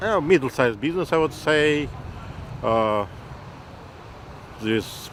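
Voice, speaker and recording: The speaker is a man with a Russian accent. His intonation is lively. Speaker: interviewee, former businessman. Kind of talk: interview. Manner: halting, many fillers.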